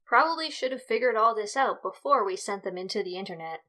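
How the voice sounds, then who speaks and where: A woman's voice: medium pitch, expressive, fast, pushed and bright. A woman playing an exasperated, practical young character in an audio drama, speaking bluntly.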